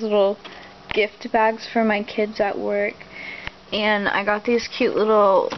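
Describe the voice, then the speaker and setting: A woman talks at a fairly slow pace in a monotone, flat intonation, with light background noise behind her. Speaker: vlogger. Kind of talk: casual vlog chat. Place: home room. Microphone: phone near.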